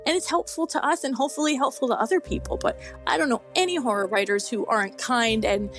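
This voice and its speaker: Excitable, higher-voiced woman in her forties. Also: fast talker, soft background music. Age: 40s. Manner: effusive, exclaiming, excitable. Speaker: guest horror author. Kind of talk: casual interview chat.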